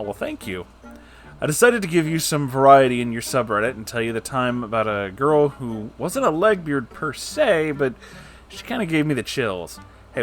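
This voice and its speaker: On his channel, a man narrates posts from online and tosses in casual, playful commentary with plenty of energy. His voice sits at a medium pitch.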